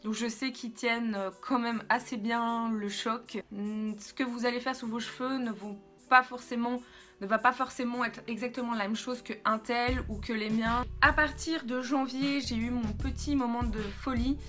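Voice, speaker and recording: A woman in her twenties chatting casually in a vlog, swearing freely and filling pauses with fillers. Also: on the high side, steady tone, fairly bright tone, soft background music. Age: 20s. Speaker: beauty YouTuber.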